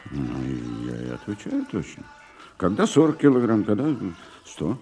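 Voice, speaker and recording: Wily, swooping kebab seller. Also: male voice, low voice, wildly swooping pitch, moderate pace, dark tone, faint music behind. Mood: guarded, evasive. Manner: ingratiating, sing-song, wheedling. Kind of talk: audio drama acting.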